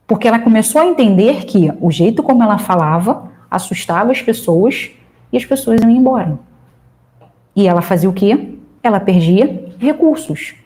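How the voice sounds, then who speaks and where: Emphatic, excitable woman. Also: a little high. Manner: lively and emphatic, gets loud when excited; tells anecdotes, jokes along the way. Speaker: social project leader speaking to a group. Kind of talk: casual talk with advice.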